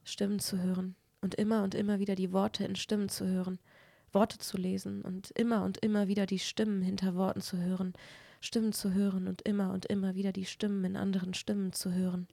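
A hypnotic actress as female narrator in a radio play. She is mellow and creaky, with little melody, murmuring repetitive lines close and dry. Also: medium pitch, level tone, fairly quick, dry recording.

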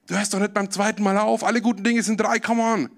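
A man doing an excited cheering crowd. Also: high-pitched, fast, voice pushed up. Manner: loud, excited, slangy cheering.

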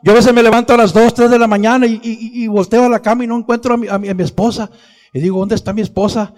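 High-voiced impassioned preacher in a hall. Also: male voice, steady tone, fast, darkish tone. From Mexico. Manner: impassioned, repeatedly addresses "hermano". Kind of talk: sermon testimony.

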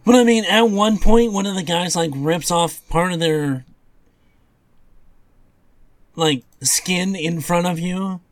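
A man's voice: high voice, measured pace. A man co-hosting a podcast, chatting casually and informally. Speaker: podcast co-host. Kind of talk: casual chat about movies and video games.

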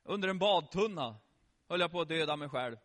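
A middle-aged man telling a Bible story to children in a lively way, often quizzing them with questions. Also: a little high. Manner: animated, asks the children questions. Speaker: children's preacher.

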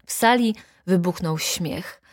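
A woman narrating a classic novel as an audiobook in a calm, even storytelling voice. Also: on the low side, slow pace, no room sound, studio quality. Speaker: audiobook reader.

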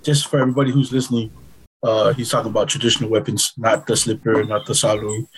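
A man's voice: lowish voice, level tone, fast, noisy background. A man co-hosting a podcast, making joking asides to the listeners. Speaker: podcast co-host. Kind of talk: casual chat.

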